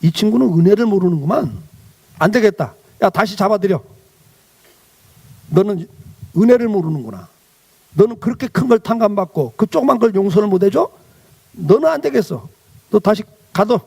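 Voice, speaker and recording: Stern storybook king, played by a male preacher, high and gravelly. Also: lively intonation, moderate pace, long pauses, mellow, heavily acted. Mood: angry. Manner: scolding then pardoning.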